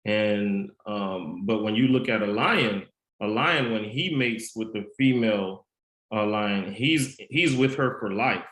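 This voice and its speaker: Low-voiced man with a slight Haitian Creole accent. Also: fairly bright tone. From United States. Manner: measured, earnest storytelling. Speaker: guest, author and mentor. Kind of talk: podcast interview. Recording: roomy echo.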